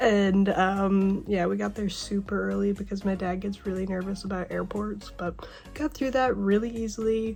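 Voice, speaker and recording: Over background music, a woman talks at a moderate pace and medium pitch with fairly even intonation. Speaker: vlogger. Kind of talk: casual vlog narration. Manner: casual, filler-heavy.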